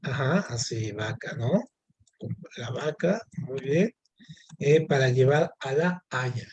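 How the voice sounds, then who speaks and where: A man's voice: medium pitch, takes it slowly, breathy edge, lo-fi sound. A man teaching a class, asking students questions and explaining patiently with many fillers. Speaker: Spanish teacher. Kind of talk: online class lesson.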